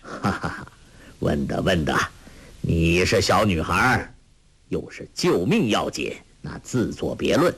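A man voicing a gentle, grave old monk who speaks in a measured, soft way, in a storybook reading. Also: low-pitched, sing-song, husky, pitched below the performer's own voice, full character voice. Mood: calm.

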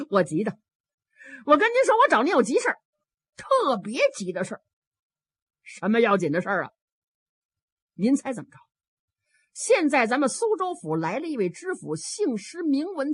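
A woman's voice: a little high, huge pitch swings, normal speed, pauses often, slightly rough, no room sound, exaggerated voice. A woman voicing a flustered young male rogue who pleads urgently in a told story.

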